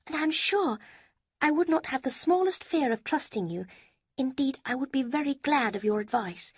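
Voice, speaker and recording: A woman voicing a sly young woman who gushes secrets in a sweet, breathy way, with a husky tone. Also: sits high, no room sound, clean studio sound, pitched above the performer's own voice, full character voice.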